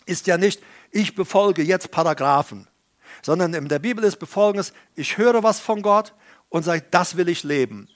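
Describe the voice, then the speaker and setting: A middle-aged man preaching in an emphatic sermon style. His voice sits high for a man, and he stops to explain words from the Greek. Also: moderate pace. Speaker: pastor.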